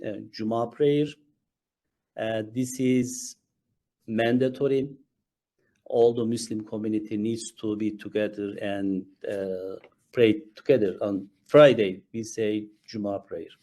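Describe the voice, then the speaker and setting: A man from Turkey, a Muslim chaplain, speaking haltingly on a panel over a video call, with many fillers and restarts. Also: mid-range voice, darkish tone.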